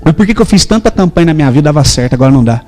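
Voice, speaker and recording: A man's voice: on the high side, animated, very fast, darkish tone, in a large hall, faint music behind. A man in his thirties with a Brazilian accent, a pastor preaching a sermon and telling a story with emphatic quoted dialogue. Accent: Brazilian Portuguese.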